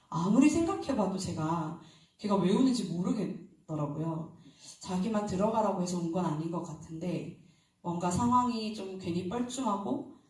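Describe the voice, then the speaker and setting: A woman's voice: lowish voice, darkish tone. Woman preaching in a very echoey hall. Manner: conversational, anecdotal, asks the congregation questions. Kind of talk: early-morning sermon. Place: church sanctuary. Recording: very echoey hall, distant mic.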